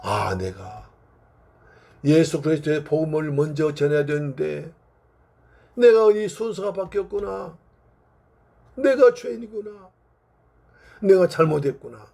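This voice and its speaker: A man's voice: on the high side, lively intonation, measured pace, gravelly, pauses often, mellow, heavily acted. A male pastor voicing a male missionary who confesses his fault with remorse. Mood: remorseful. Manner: confessing, self-reproaching.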